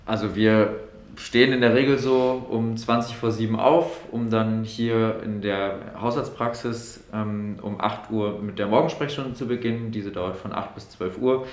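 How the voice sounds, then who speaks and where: A young man in his twenties, a medical student, answers questions in a practice room with a slightly low voice. He pauses and restarts as he thinks, and the room gives his voice a noticeable echo. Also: steady tone. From Berlin, Germany. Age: 20s. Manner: thoughtful, many fillers and restarts. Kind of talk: interview answers.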